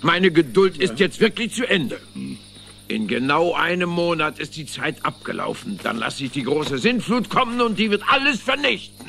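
Casting: a blustering, fond boss-like God for a children's film, highish pitch, animated delivery. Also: male voice, normal speed, vocal fry, full character voice. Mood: exasperated. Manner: pompous, blustering, old-fashioned turns of phrase. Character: God as impatient, scolding yet fond boss.

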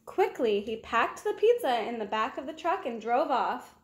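A woman's voice: on the high side, big pitch swings, normal speed. A woman in her twenties reading a children's picture book aloud expressively, in simple phrases for young listeners. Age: 20s. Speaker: read-aloud storyteller. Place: small room at home, indoors. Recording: roomy home recording.

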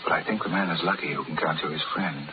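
An actor playing a bold, sardonic Irish rebel doctor in 1930s radio drama style. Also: male voice, extremely low pitch, quick pace. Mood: brooding, guarded. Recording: crackly 1930s live radio, tinny, audience noise. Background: loud audience and crackle.

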